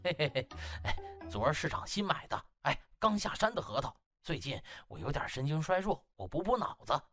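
A man's voice: on the high side, sing-song, a little fast, a bit bright, faint music behind. A man voicing a cheeky, shameless young slacker doctor in an audiobook, stammering and sniggering in mock apology. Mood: playfully smug.

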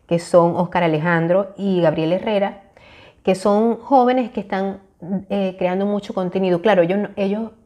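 A Venezuelan YouTuber in her forties talks casually to camera through a lapel mic in a small room. Her medium-pitched voice is warm and mellow, earnest and encouraging, with hesitant fillers between thoughts.

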